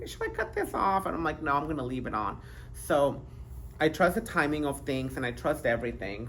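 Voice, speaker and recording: A man hosts his own podcast alone at a mid-range pitch, chatting loosely and rambling as he interrupts himself and giggles. He slips into playful sing-song moments now and then. A faint hum of the room sits behind his voice on a handheld mic. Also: a bit bright. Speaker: podcast host. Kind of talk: casual solo vlog monologue. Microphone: handheld microphone.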